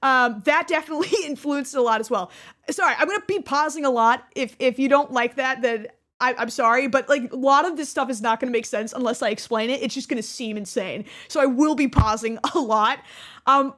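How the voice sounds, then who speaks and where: Twenties woman, high voice, chatty YouTuber, lots of restarts and laughs. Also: a bit bright. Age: 20s. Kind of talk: casual commentary over her old gameplay video.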